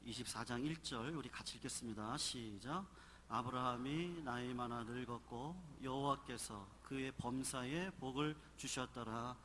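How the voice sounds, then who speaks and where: A man reading scripture aloud in church, announcing verses and leading the reading in a measured, formal cadence. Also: medium pitch, fairly bright tone, a little hiss or hum. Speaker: scripture reader. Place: church sanctuary.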